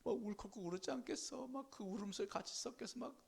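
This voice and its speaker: A male pastor preaches a sermon in church in an animated style, prodding the congregation for responses and acting out the voices in the story. His voice is extremely high, creaky, and husky, and he talks fast.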